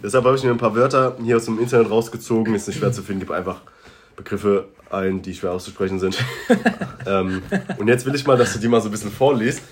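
Ein junger Mann, Co-Host eines Podcasts, der leise und etwas nuschelnd spricht und viel lacht. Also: male voice, on the low side, steady tone, fast talker. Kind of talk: casual podcast chat.

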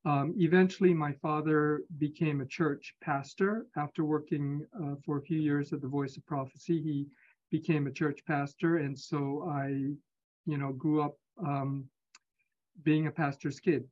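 A man in his fifties from Singapore speaks in a slightly raised register. He answers carefully, pausing often as he gathers his thoughts. The remote audio sounds dull and lo-fi. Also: on the high side, flat delivery, a little mellow. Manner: measured, hesitant, with many pauses. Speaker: interview guest, physician. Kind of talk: conversational interview.

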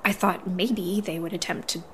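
A woman's voice: fairly low pitch, steady tone, moderate pace, a bit bright, a little hiss or hum, lightly acted. A woman playing an earnest, prickly dwarven paladin in an audio drama, speaking in a firm, formal, businesslike way. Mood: worried.

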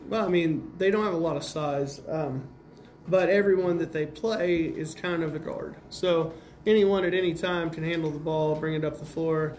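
An American man, a high school basketball coach, answering interview questions in plain-spoken, casual terms as he breaks down games. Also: fairly even intonation, moderate pace, a little mellow, a little hiss or hum. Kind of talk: interview answers, game analysis.

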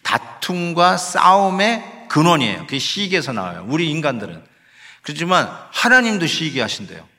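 Man, pastor, sermon, conversational preaching with English phrases mixed in, somewhat high voice, long hall reverb. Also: very animated, moderate pace, bright, forceful tone. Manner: acts out sighs and scolding quotes.

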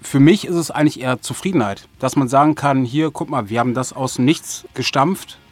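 Male interview guest, medium pitch, casual delivery, dry sound, faint music behind. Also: a little fast, dry recording. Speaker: audio drama creator, interview guest.

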